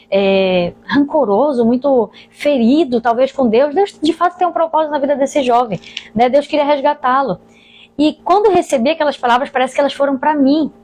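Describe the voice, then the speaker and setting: A woman's voice: high voice, darkish tone. A woman pastor with a Brazilian Portuguese accent, sharing an earnest preaching testimony and speaking directly to her listeners.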